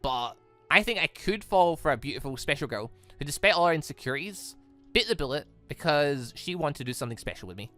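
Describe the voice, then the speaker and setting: A man voicing a calm, devoted young gentleman from a visual novel, gentle, earnest and reassuring. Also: fairly high pitch, a little fast, faint music behind. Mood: earnest, tender.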